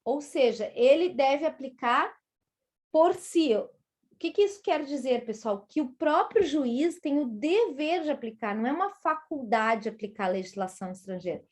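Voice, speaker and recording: A Brazilian woman with a high voice teaches a law class. She lays out each point patiently and turns to her students with questions as she goes. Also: animated, moderate pace. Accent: Brazilian Portuguese. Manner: explanatory, addresses students directly, acts out quoted judges. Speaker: law lecturer. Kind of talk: university lecture.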